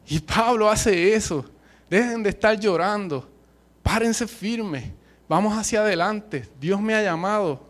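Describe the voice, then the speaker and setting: A man with a Puerto Rican accent preaching a sermon, passionate and emphatic, mixing in colloquial slang and humor. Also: sits high. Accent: Puerto Rican Spanish. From Puerto Rico.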